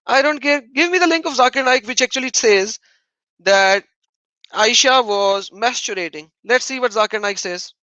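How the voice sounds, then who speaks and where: A man's voice: very high-pitched, normal speed, sharp tone, no echo, highs cut off. Man, native Urdu speaker, livestream debate host, argumentative, repeats himself, dry close sound. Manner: combative, repeats his point insistently. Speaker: livestream host reading viewer donations.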